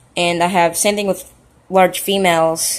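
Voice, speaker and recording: A quiet woman with a fairly low pitch and monotone, flat intonation. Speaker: betta fish breeder. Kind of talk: casual vlog. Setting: home kitchen. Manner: quiet, trying to be quiet; rambling, halting.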